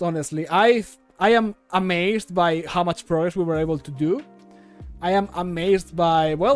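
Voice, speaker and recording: A man in his thirties chatting casually and informally as a livestreamer. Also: high voice. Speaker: streamer and game modder. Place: small room at home, indoors.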